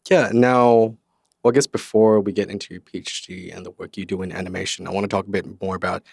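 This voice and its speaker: A man hosting a podcast, introducing his guest and asking questions in a relaxed, chatty way with fillers and restarts. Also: low voice, fast talker, vocal fry, no room sound, clean studio sound. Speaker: podcast host. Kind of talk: casual interview.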